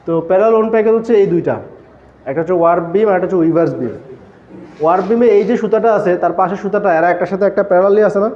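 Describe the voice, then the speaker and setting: Quick, high-voiced man lecturing a class. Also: warm tone, dull audio. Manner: explains step by step, asks the class questions and answers them himself. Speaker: textile engineering lecturer.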